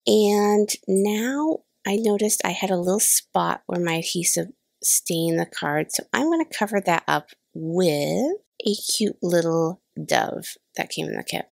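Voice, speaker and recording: Chatty woman with a cold, gravelly voice. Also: on the low side, measured pace, no echo, studio quality. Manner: chatty, self-deprecating about mistakes. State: has a cold, slightly nasal. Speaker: card-making channel host. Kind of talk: casual crafting voice-over tutorial. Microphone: voice-over recorded separately.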